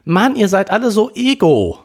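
A man's voice: high-pitched, very animated, moderate pace, husky, voice pushed up, heavily acted. A man voicing an upset teenage girl who snaps and fights back tears, in a reading of a story. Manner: sharp, tearful outbursts.

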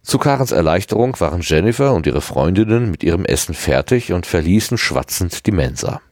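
A man narrating a novel as an audiobook reader in a calm, even storytelling manner. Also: sits low, brisk, no room sound, studio quality. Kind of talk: scripted narration.

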